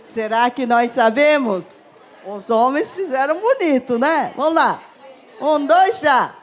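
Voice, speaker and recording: A woman teaching a children's ministry training session in church, telling stories with lively acted-out voices and leading a group through repeated lines. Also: high-pitched, takes it slowly, some chatter behind. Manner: lively, acts out stories, leads group repetition.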